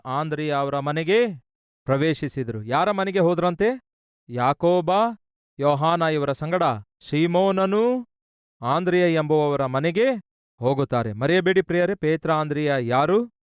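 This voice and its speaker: Pastor with a smooth, higher voice. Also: male voice, no room sound, studio quality. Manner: asks the listeners questions and answers them himself; builds long lists of repeated phrases. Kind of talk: sermon.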